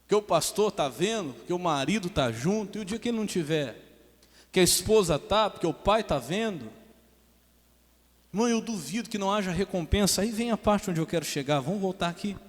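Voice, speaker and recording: A man's voice: sits high, lively intonation, brisk, long reverb tail. A man preaching a sermon as pastor in a church, emphatic, calling for amens and mimicking his congregation.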